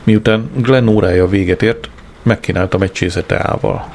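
Casting: deep, gravelly man, deadpan audiobook narrator. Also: slight background noise. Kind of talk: scripted narration of a comic diary.

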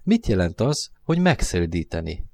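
A curious little prince asks question after question in a storybook reading, played by a man. The voice stays deep and low, polite and wondering. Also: sing-song, vocal fry, mellow, exaggerated voice. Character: curious young boy prince, polite and searching.

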